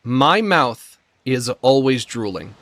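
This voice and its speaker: A man streaming a prerecorded monologue, with a squeaky voice, slurred, lisping, stammering speech, and short gasps for breath before sentences. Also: very animated, slow pace, a bit bright.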